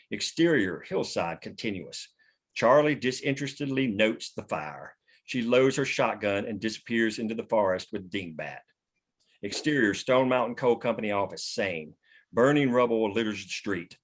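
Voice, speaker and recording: Casting: male script narrator, fairly low voice, reading scene headings and action. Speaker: narrator reading stage directions. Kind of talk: scripted narration at a table read.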